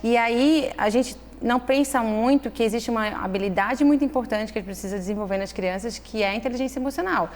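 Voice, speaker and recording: A woman in casual conversation, explaining parenting ideas in a thoughtful, measured way, often checking in with "né". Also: fairly high pitch. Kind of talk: conversational interview. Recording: echoey room with faint noise.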